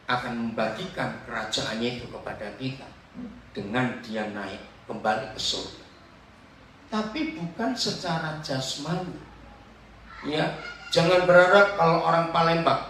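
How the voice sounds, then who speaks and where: Male pastor, preaching sermon; bright animated delivery, quizzes the congregation; distant, echoey hall sound. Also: on the high side, slight background noise. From Papua. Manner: lively preaching, questions the congregation, jokes. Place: church hall.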